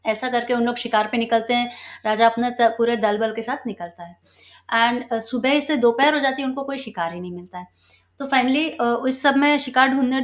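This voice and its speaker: Woman with a slightly high voice telling a moral story in a loose, halting, chatty way. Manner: conversational, halting with fillers and self-corrections. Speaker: spiritual storyteller.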